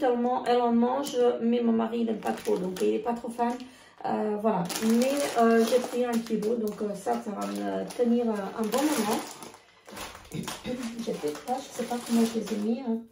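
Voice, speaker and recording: A woman, losing her voice, chatting casually through a grocery haul with many halting fillers and restarts. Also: on the high side, vocal fry, distant mic, noisy background. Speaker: vlogger. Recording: echoey room, voice off-mic.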